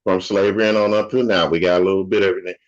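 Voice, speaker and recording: A man's voice: low voice, little pitch movement, racing. An older man in casual conversation, an opinionated, rambling storyteller from the United States. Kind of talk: casual chat. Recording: dull lo-fi audio.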